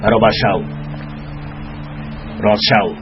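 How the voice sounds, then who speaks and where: A man voices a stern, threatening commander with a Tajik accent. His low voice comes through a dull, muffled dub recording, with steady noise underneath. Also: close to an everyday voice. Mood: stern commanding. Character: stern male commander giving orders.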